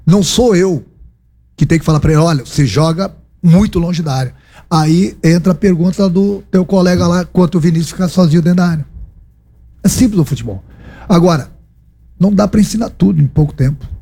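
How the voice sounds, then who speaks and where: With a fairly high, creaky voice that's husky and dark in tone, this Brazilian football coach responds to the press. He speaks with a Brazilian Portuguese accent, stressing his points forcefully, restating them, and throwing out rhetorical questions.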